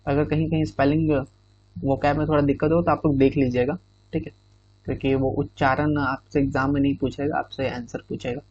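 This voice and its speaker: A man's voice: mid-range voice, flat delivery, brisk, darkish tone, husky, no room sound. A male exam-prep teacher explaining idioms in Hindi with English phrases, often checking in with "theek hai". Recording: dull, muffled recording.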